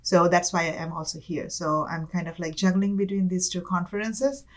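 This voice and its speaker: A woman's voice: fairly low pitch, steady tone, normal speed. A woman in her thirties from Bangladesh with a Bangladeshi accent, a business school student chatting as an interview guest, often saying "like" and "kind of". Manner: chatty, frequent "like" and "kind of", light laughs. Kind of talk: conversational interview.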